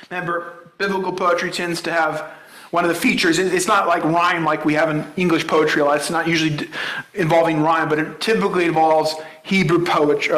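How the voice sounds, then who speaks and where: A pastor with a slightly high, sharp-toned voice preaches a sermon, explaining a Bible passage in a conversational teaching style and checking in with the congregation. The recording is rough, with a roomy sound.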